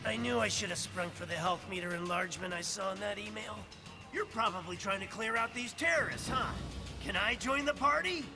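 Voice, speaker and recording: Shrill, manic wisecracking antihero. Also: male voice, fairly quick, creaky. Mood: cheeky, joking. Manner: ranting, mock-offended, clownish. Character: manic wisecracking male antihero, childish and loud. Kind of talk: video game cutscene acting. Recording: loud music behind.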